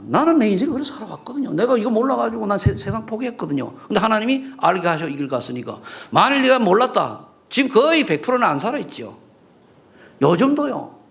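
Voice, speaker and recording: Middle-aged man, pastor, sermon in a church, high lively voice, gravelly edge, rhetorical questions. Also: fast talker. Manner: rhetorical questions to the congregation, swings between loud and hushed. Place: church sanctuary.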